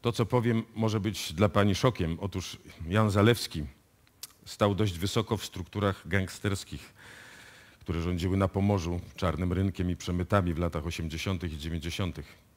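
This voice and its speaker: An actor playing a confident police detective who deliberately lays out a case in a radio play. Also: male voice, low voice, fairly even intonation, close to an everyday voice. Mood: explaining, assured. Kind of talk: live radio drama acting in Polish. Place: radio music studio, performed live before an audience.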